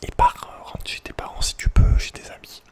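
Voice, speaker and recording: A man speaks in a breathy whisper throughout, as in an ASMR video. His delivery is casual and slangy, with a hesitant, rambling flow. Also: brisk, a little mellow.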